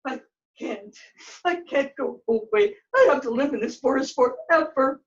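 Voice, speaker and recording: A woman's voice: high voice, expressive, normal speed, muffled recording, voice pushed up. A woman voicing a dramatic, whiny, naive young servant girl in a puppet show, flustered and repeating herself. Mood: tearful. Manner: melodramatic, repetitive, flustered.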